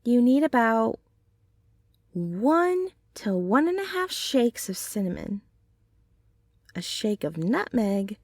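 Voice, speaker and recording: A gentle, affectionate centaur girlfriend, played by a woman, rambles softly in a soothing ASMR roleplay. Her voice sits a little high and moves at a slow, tender pace. The sound is dry and close, with no room around it. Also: very animated, no room sound, exaggerated voice. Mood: gentle, instructive. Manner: soft, tender, unhurried, rambling. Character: gentle, affectionate young centaur girlfriend, chatty home baker.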